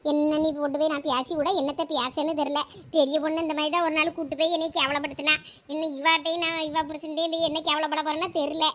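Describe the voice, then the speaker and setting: A woman's voice: high voice, little pitch movement, fast, fairly bright tone, a little hiss or hum, voice pushed down. A woman voicing a bossy village mother in a cartoon who grumbles and scolds in a Thoothukudi Tamil accent. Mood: worried.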